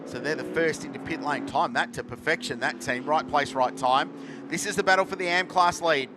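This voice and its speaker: A man's voice: on the high side, a little fast. A man giving live race commentary as a motorsport commentator. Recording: loud trackside car and engine noise. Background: race cars and outdoor ambience.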